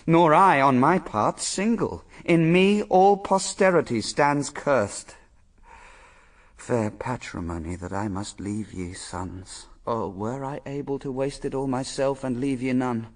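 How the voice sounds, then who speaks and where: An actor playing an anguished, self-accusing Adam in a classical verse radio drama, solemn, theatrical and brooding. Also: male voice, mid-range voice, takes it slowly, far from the mic, natural voice. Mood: mounting despair. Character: anguished fallen Adam, first man, despairing and self-accusing.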